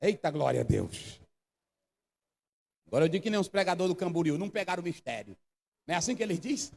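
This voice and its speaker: Very high-voiced fervent male preacher. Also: big pitch swings, fast talker, gravelly. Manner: fervent, swings from hushed to shouting, acts out quotes. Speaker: pastor. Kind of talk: impassioned Pentecostal sermon. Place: church hall. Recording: long church hall reverb.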